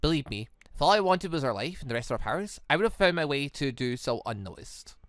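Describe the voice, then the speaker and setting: A sly villainess from a visual novel read by a man, teasing and calmly menacing. The delivery is measured, in a bright, dry-sounding voice. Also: fairly high pitch, no room sound. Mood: calm menace. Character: sly, menacing woman villain taunting by phone.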